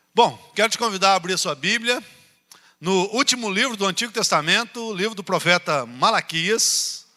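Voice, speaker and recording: A man with a Minas Gerais accent speaks at a high pitch and a moderate pace. His intonation is lively. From Minas Gerais, Brazil. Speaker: pastor. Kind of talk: sermon. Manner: relaxed, conversational.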